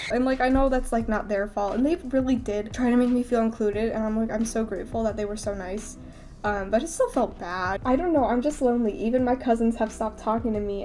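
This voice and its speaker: A woman's fairly high voice at a very fast pace, with ordinary pitch variation and music in the background. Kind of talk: casual talk to camera.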